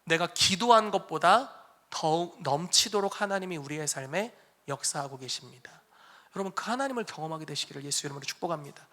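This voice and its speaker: A man's voice: on the high side, sharp tone. A man preaching a sermon at a church service in a conversational, emphatic way. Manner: conversational and emphatic, acting out quotes. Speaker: pastor.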